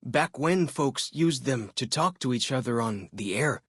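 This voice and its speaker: A man's voice: mid-range voice, lively intonation, a little slow, a bit bright, breathy edge, dry recording, studio quality, exaggerated voice. A man playing a friendly, curious young tribal scout and guide in a video game, chatty and folksy. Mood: curious, wondering. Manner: folksy, chatty, inquisitive, easygoing phrasing. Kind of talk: video game companion dialogue.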